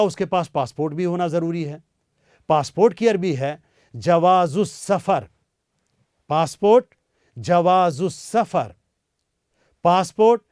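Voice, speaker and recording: A male language teacher giving a beginner lesson, repeating each word slowly so listeners can say it after him. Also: high-pitched, a little mellow, dry recording, clean studio sound.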